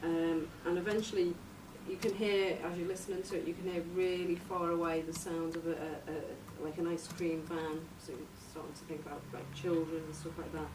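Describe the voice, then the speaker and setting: A woman informally pitching a story outline in a tentative, halting way, searching for her words. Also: level tone. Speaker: workshop participant presenting a radio drama outline. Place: echoey room, recorded from a distance. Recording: roomy, distant mic, noisy background.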